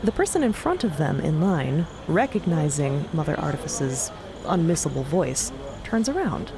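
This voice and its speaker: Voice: mid-range voice, big pitch swings, moderate pace, creaky, noisy background. A narrator telling a scripted story theatrically, with conversational, wry asides.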